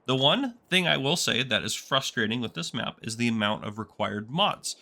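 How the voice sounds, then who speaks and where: A man's voice: medium pitch, animated, normal speed, gravelly, sharp tone. A man hosting a casual game map tour, talking in a chatty, easygoing way, congested and with a sore throat. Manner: chatty and easygoing, rambling asides. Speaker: gaming channel host.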